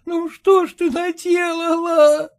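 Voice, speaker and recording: A man's voice: extremely high pitch, little pitch movement, slow, pitched above the performer's own voice, exaggerated voice. A man playing an older mother who wails and pleads tearfully. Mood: wailing. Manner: wailing, pleading.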